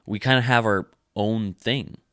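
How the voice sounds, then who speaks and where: Deep-voiced young American man explaining. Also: fairly even intonation, measured pace, a bit bright, no echo, clean studio sound. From United States. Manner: explanatory, lecturing on sociology. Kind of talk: casual chat.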